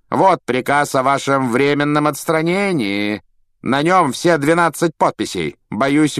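A man's voice: on the high side, fairly bright tone, no room sound, studio quality, voice pushed up. A man voicing a haughty, contemptuous aristocratic man with a sneering, theatrical drawl.

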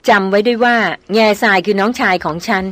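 Woman voicing a young noblewoman, soft coaxing manner, sharp-tongued, storybook reading, dry close sound. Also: mid-range voice, steady tone, quick pace, no room sound, lightly acted. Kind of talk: audiobook novel reading.

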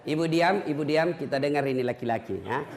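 Joking preacher. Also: male voice, fairly high pitch, brisk, crowd noise, noisy background. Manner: joking, lively, teasing the audience. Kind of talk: humorous sermon to a congregation. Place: mosque gathering.

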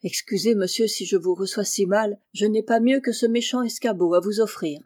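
A woman voicing a poor, tender-hearted peasant mother in an audiobook, speaking softly and humbly. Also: mid-range voice, normal speed, natural voice. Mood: humble. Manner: soft, humble and emotional. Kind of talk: audiobook character reading.

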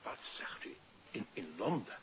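A man's voice: unhurried, natural voice. An actor playing an earnest, formally polite doctor and anxious father in a 1950s radio drama. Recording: dull, hissy 1950s radio recording.

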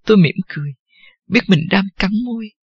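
An audiobook narrator reading a first-person novel at a steady, unhurried pace. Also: medium pitch, breathy edge, dry recording, dull audio.

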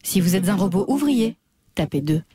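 A woman voicing an automated phone menu in a slow, measured recorded-message tone. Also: mid-range voice, big pitch swings, warm tone, breathy edge, voice pushed down. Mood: deadpan.

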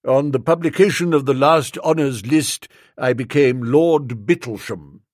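A man's voice: mid-range voice, a little slow, darkish tone, no room sound, clean studio sound, close to an everyday voice. A man voicing a stout, pompous elderly lord who speaks in stiff, formal, long-winded sentences. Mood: stately.

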